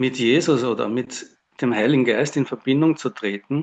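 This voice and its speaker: A man with a Viennese accent speaks at a medium pitch and a fairly slow pace, his intonation fairly even. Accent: Viennese Austrian German. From Austria, Vienna. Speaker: course participant. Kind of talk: personal sharing in online group. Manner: halting, hesitant.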